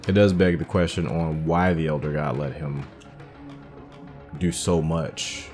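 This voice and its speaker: Deep-voiced man musing over gameplay. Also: steady tone, unhurried, a little mellow, faint music behind. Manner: musing, thinking aloud while playing. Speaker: gaming channel host. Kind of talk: casual let's-play commentary.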